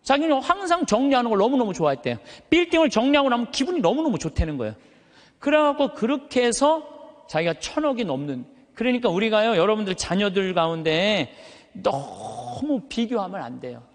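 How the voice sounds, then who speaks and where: High, full-voiced male priest in a reverberant hall. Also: sing-song, brisk. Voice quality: high but thick, full voice that carries. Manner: emphatic, uses rhetorical questions and stretched words for effect. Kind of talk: animated motivational sermon to a live audience. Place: large hall, speaking to an audience.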